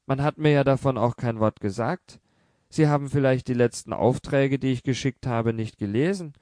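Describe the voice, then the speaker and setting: A man's voice: mid-range voice, moderate pace, a little mellow, dry recording, clean studio sound, close to an everyday voice. A man doing a flustered young salesman pleading. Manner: hasty, flustered excuses.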